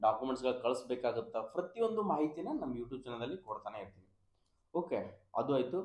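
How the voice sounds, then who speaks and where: A man talks in a normal speaking voice at medium pitch. His intonation is lively, with big swings in loudness. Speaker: career guidance video creator. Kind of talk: tutorial. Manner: informal.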